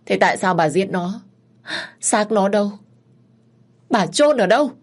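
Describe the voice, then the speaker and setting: A woman's voice: fast talker, slightly rough. A woman voicing a frantic mother demanding to know where her daughter's body is. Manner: pleading, shrill.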